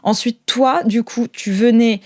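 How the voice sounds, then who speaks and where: A woman's voice: fairly high pitch, steady tone, dry recording. Woman game master, dry close sound. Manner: halting, giggly, informal. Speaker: game master, show host. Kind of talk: improvised tabletop game narration.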